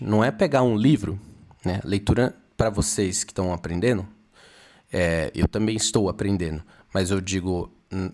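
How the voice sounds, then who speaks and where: A man from Brazil gives an online English lesson in a fairly low voice. He explains each point patiently, checking in with his students again and again. He reads the example sentences slowly to model the pronunciation. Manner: explanatory, with frequent "tá?" and "né?" check-ins. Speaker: English teacher.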